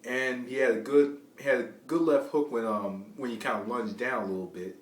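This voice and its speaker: A man giving informal, unscripted boxing commentary in a rambling, halting way, often repeating phrases as he restarts. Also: mid-range voice, steady tone. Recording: roomy, distant mic, faint background noise.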